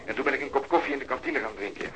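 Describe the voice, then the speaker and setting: An actor playing a teasing, long-winded male police colleague in a radio crime drama, telling things in a sly, drawn-out way. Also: medium pitch, animated, background noise, natural voice.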